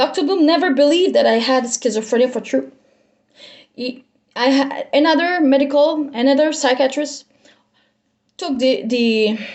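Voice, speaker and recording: A woman's high voice in a Quebec accent, with ordinary pitch variation and a moderate pace. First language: French. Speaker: vlogger. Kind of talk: personal video diary. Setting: recorded on cellphone. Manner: halting, self-correcting.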